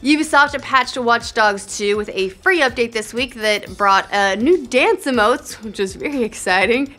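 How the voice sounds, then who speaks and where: A young woman hosting a scripted gaming news show, reading stories briskly with upbeat, jokey asides. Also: fairly high pitch, a bit bright.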